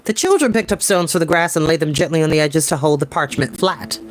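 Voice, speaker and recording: Soft music plays behind a slightly high, animated male voice moving at a quick pace. The young adult storytime host reads from a book in a small home room with a desk and bookshelves, breaking off for excited, slangy comments.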